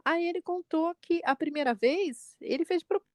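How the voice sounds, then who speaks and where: A woman in her forties, a mother co-hosting a podcast, telling a family story in lively chat and jumping up in pitch when she quotes people. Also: normal speed, no echo, studio quality. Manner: animated retelling, quotes her son with pitch jumps.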